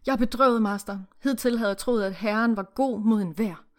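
A man's voice: sits high, close to an everyday voice. A woman voicing a devout, grieving enslaved man who earnestly pleads with his master, read from a book. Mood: pleading.

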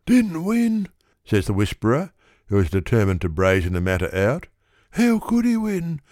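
A man's voice: mid-range voice, huge pitch swings, moderate pace, darkish tone, no room sound, clean studio sound, voice pushed up. A man reading a story, voicing a down-and-out male racecourse tipster who coaxes and then brazenly bluffs. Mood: indignant. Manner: wheedling, then brazen and indignant.

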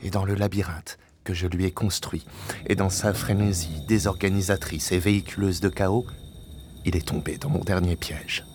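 An actor playing an obsessive, vengeful widower in a French audio-drama monologue, solemn, grandiloquent and deliberate, often sinking into breathy whispers. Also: male voice, sits low, fairly even intonation, darkish tone, close to an everyday voice. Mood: agitated, scheming. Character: obsessive, vengeful widower, grandiloquent, haunted by his lost wife. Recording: binaural recording with music.

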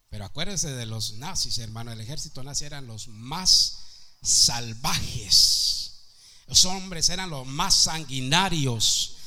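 A man's voice: medium pitch, pushed and bright. A man preaching a sermon, calling out to the congregation with repeated questions and rising to emphatic peaks.

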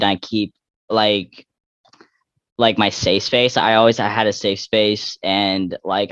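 A man's voice: on the low side, no room sound, muffled recording. A young trans man in his twenties, a guest in a candid interview, talking reflectively with frequent fillers and restarts. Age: young adult.

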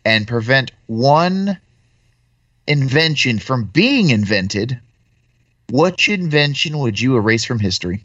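An eager young man co-hosts a casual podcast, speaking upbeat and ready with questions. He talks at a middle pitch in a dry room. His sound comes through a somewhat dull, lo-fi mic. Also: animated, slow pace, fairly bright tone, no room sound. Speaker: podcast co-host and teacher. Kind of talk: casual chat.

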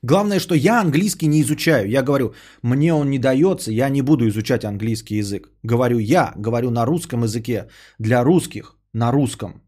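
Husky sarcastic ranting man. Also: medium pitch, brisk, a little mellow. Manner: sarcastic, indignant, swears a lot. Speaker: podcaster and streamer. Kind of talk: ranting monologue answering a viewer.

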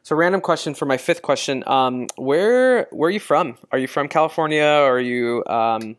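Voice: mid-range voice, animated, moderate pace. An interviewer asking numbered questions in an upbeat, encouraging manner.

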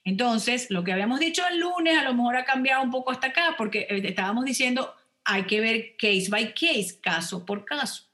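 Bright-voiced immigration lawyer woman. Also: fairly high pitch, expressive, brisk. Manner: explanatory, repeats with ok? checks. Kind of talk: radio call-in advice talk.

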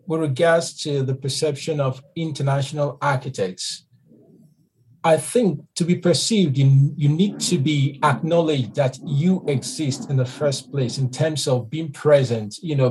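Man, husky, slightly higher voice, careful, deliberate speech. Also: low-quality recording. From Nigeria. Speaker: architect guest. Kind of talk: interview answer.

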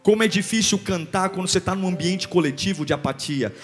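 A man preaching a sermon, swinging between loud bursts and hushed, repeated phrases. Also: high-pitched, quick pace, big-room sound, faint music behind. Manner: rhythmic repetition, calls for congregation to repeat. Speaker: pastor.

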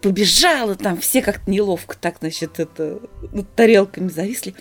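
A woman's voice: medium pitch, brisk, faint music behind. A woman co-hosting a podcast, chatting casually and telling stories with acted-out quotes. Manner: lively storyteller, acts out quotes. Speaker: podcast co-host. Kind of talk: casual podcast chat, recommending a series.

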